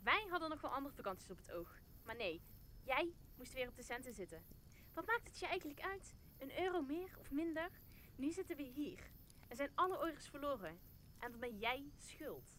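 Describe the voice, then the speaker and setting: Woman acting a high-voiced, mocking, cynical courtier. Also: expressive, moderate pace, sharp tone, a little hiss or hum. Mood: accusing. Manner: sardonic, quipping. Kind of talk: Dutch audio drama acting of Shakespeare.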